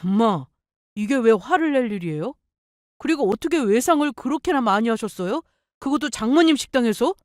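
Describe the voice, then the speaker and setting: A calm young husband tries to settle things in a measured tone, as a woman reading a story plays him. He speaks a little lower than the narrator's own voice. The recording is dry. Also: no room sound, natural voice. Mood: placating. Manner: placating, measured.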